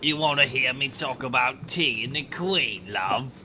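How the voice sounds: Man's put-on character voice at a medium pitch, with clear background noise. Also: moderate pace.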